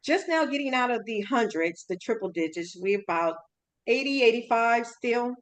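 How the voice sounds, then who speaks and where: A woman hosting an interview, chatty and friendly and quick to laugh. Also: on the high side, lively intonation. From California. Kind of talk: casual interview chat.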